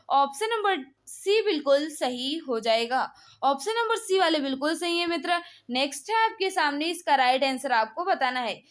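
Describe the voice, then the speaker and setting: Female online exam-prep teacher, high voice; brisk quizmaster delivery with repetitive prompts. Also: a bit bright. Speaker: online exam-prep teacher running a live quiz class. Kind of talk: live quiz lesson, reading questions and confirming answers.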